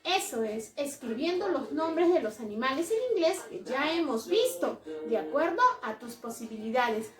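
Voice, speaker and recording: A woman teaching young children at a slow, clear pace, in a sing-song, coaxing way with many checking questions. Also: high voice, expressive. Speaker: preschool teacher. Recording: roomy and distant, music behind.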